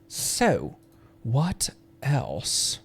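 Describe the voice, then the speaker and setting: A man streaming live reaction commentary in a halting, rambling, easily excited way. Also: mid-range voice, vocal fry, slightly rough. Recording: music playing behind the voice. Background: game trailer music.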